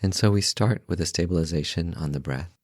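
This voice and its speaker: Man, very deep bass voice, guided meditation, calm, gentle, unhurried, long pauses, dry recording. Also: no room sound. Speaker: meditation guide, podcast host.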